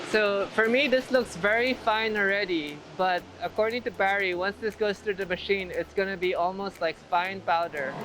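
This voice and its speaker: A woman speaks at a moderate pace with hardly any pauses, a medium pitch and ordinary pitch variation. Noticeable background noise can be heard. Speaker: car vlogger. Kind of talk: casual vlog tour narration. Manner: shouting over noise.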